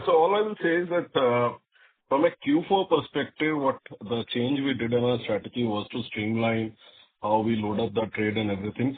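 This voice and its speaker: Husky Indian-accented businessman, phone line. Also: fairly low pitch. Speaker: company executive answering analysts. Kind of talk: explanatory business conference call talk. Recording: narrowband phone conference line.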